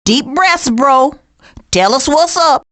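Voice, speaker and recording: A woman's voice: high voice, animated, takes it slowly, a bit bright, exaggerated voice. A woman voicing a sassy, streetwise female skunk with an American accent and slangy, emphatic delivery for a cartoon video game. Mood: sassy, confident. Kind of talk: animated video game voice lines.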